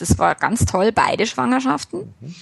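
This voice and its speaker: A woman speaks with vocal fry at medium pitch. Her pace is fairly quick. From Bavaria, Germany. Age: 40s. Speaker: love coach and speaker. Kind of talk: interview.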